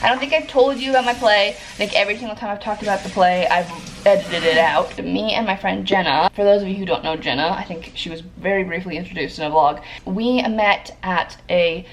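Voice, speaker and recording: A woman's voice: medium pitch, fairly quick, few pauses, low-quality recording. A young woman hosting a casual home vlog, chatty and self-deprecating with a dry, sarcastic streak. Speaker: vlogger host. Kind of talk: casual vlog chat to camera. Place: family home indoors. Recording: noticeable background noise.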